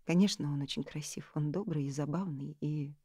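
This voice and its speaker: A woman voicing a reserved young woman in her twenties in an audiobook, quiet, calm and a little weary. Her tone is low and mellow, recorded dry and close. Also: brisk, breathy edge, dry recording.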